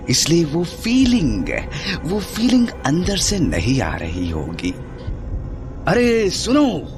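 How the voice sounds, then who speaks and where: An actor playing a mocking, unhinged vampire villain in a horror audio drama, drawing words out theatrically and dropping into whispers. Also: male voice, medium pitch, full character voice. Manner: theatrical, drawn out, breaking into whispers.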